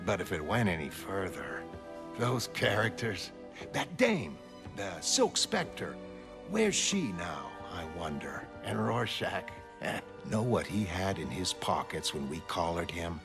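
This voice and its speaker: A man's voice: low-pitched, big pitch swings, slow pace, voice pushed down, full character voice. A man voicing a cynical police detective who talks in a dry, streetwise way, over music. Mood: needling. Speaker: motion comic voice actor. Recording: music underneath.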